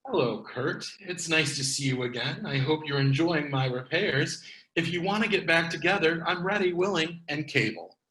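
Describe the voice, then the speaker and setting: A man's voice: a little high, normal speed, pushed and bright. A man playing a goofy, pun-loving, sincere repair-shop boss in a comedy table read, theatrical and jokey. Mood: playful. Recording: echoey room sound.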